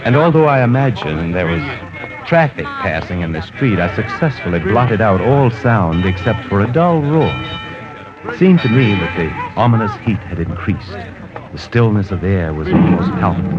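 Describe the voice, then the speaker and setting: An actor playing a cold, precise male killer narrating his diary in a 1940s radio drama, calm, clipped and detached. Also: lowish voice, lightly acted. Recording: dull old radio broadcast with music.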